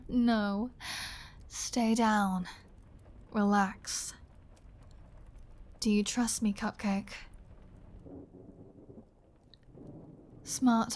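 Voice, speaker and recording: A woman voices a predatory female vampire in an intimate ASMR audio roleplay. She speaks very slowly at a medium pitch, often sinking into breathy whispers. Her delivery is teasing and dominant, like someone toying with prey. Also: darkish tone. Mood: teasing, commanding.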